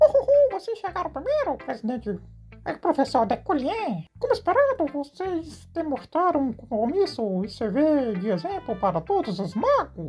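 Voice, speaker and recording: Faint music plays in the background as a put-on character voice speaks at a high pitch and moderate pace. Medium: read story. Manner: polite, formal.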